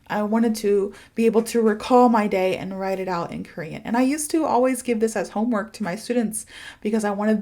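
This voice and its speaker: A woman's voice: medium pitch, dark tone. A woman hosting a casual motivational podcast like a teacher, chatty and informal, with emphatic phrasing and giggly asides. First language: English. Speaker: podcast host and English teacher.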